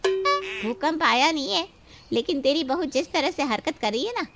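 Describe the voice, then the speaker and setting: A woman playing a loud, quarrelsome neighbor who yells and scolds. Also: sits high, lively intonation, moderate pace. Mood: furious. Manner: shouting, scolding.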